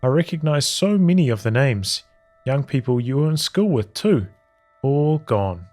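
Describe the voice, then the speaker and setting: A man with a mid-pitched voice reads a story aloud at a slow pace. His phrasing is measured and halting, with pauses between short phrases. Faint music plays behind him. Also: big pitch swings, darkish tone. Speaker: streamer reading a visual novel aloud. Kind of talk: read-aloud storytelling of journal entries.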